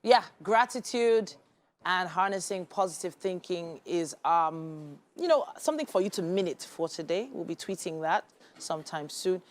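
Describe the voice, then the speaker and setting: Lively woman hosting a morning show. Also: on the low side, normal speed. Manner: upbeat, playful, teasing. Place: TV studio.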